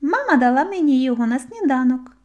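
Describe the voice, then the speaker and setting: A woman's voice: high-pitched, very animated, moderate pace, darkish tone, lo-fi sound, voice pushed up. A woman voicing a cheerful, playful young female squirrel who teases kindly and speaks sensibly. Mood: teasing. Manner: teasing, giggly, sensible.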